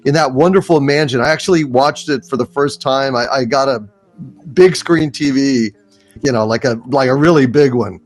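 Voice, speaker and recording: Man, mid-pitched voice, casual guest chat, hesitant, meandering delivery. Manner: halting, rambling. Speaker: guest, voice actor.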